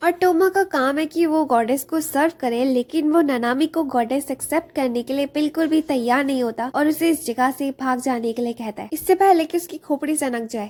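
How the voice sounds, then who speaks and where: At a high pitch, a woman speaks at a moderate pace with hardly any pauses and ordinary pitch variation, in a dry, close sound with no echo. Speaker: anime recap narrator. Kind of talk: story recap narration.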